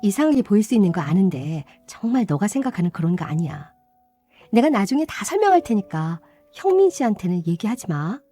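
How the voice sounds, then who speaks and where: A woman's voice: mid-range voice, very animated, fairly quick, dark tone, soft background music. A woman voicing a cheating young bride-to-be who whines and makes excuses, in radio drama style. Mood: defensive. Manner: whiny, making excuses.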